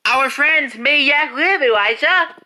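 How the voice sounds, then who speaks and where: A woman's voice: high voice, animated, slow pace, sharp tone, exaggerated voice. A woman playing a resolute, demanding hero's ally in dramatic fan cartoon cutscenes. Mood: hopeful. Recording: noisy, with clicks.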